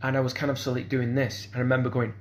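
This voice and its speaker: A man's voice: medium pitch, level tone, very fast, slight background noise. A man, speaking in a rambling, hesitant monologue full of fillers and restarts. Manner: hesitant, repeats "kind of sort of", restarts often.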